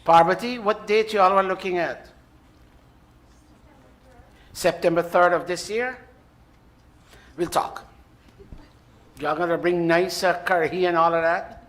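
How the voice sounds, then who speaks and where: A man's voice: high voice, fairly even intonation, a little slow, long pauses, fairly bright tone. A man leading a temple ceremony, giving the congregation live directions with joking, apologetic asides.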